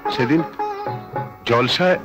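An actor playing a polite, chatty middle-aged gentleman in film drama dialogue. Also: mid-range voice, slow pace, loud music behind the voice, close to an everyday voice. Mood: polite, friendly.

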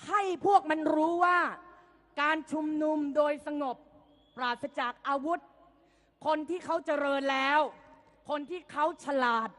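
A young woman, a student, giving an impassioned rally speech, often shouting and mocking her opponents while she rouses the crowd. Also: sits high, measured pace. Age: young adult. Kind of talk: fiery political rally speech.

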